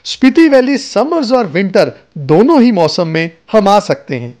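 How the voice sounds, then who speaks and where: A man's voice: high voice, sing-song, a little slow, a little mellow. A man narrating a travel guide as a scripted voice-over, speaking to viewers as friends. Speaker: travel vlogger. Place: voice-over, not recorded on location. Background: faint background music.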